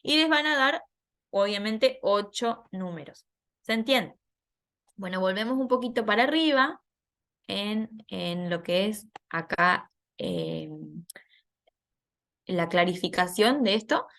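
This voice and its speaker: A woman's voice: medium pitch, lively intonation, slow, long pauses, a bit bright. A woman patiently explaining a scoring worksheet to students in an online class, laughing at herself now and then. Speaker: teacher.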